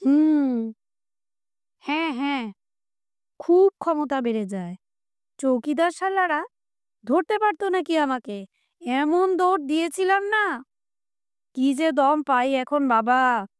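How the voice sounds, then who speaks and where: A woman voicing a cocky, excitable grown son who boasts and laughs off worry in a storybook reading. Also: high-pitched, takes it slowly, long pauses, dry recording, studio quality. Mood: boastful.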